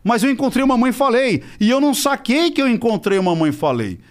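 A man's voice: very high voice, fast talker. A man telling a story in casual chat as an interview guest, acting out other people's voices and swearing freely. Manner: animated, acts out quoted voices.

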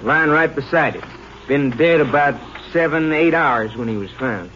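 Touchy, high-voiced small-town constable played by a man. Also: normal speed, lo-fi sound, close to an everyday voice. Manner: defensive, blunt, edgy. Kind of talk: 1950s radio drama acting. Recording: noisy band-limited 1950s radio recording.

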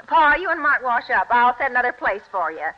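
A woman's voice: on the high side, very animated, fairly quick. A doting, gushing farm mother. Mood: delighted. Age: middle-aged. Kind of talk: 1940s radio acting. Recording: faintly hissy lo-fi vintage radio.

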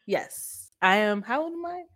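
A woman in her 30s chats casually as a podcast guest, laughing often and letting sentences trail off. Her mid-range voice swings widely in pitch, moves at a measured pace, and has a fairly bright tone.

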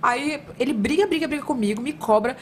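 A woman hosting a podcast, chatting casually and telling gossipy, animated stories. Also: high voice, a little fast, a little hiss or hum. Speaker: podcast host.

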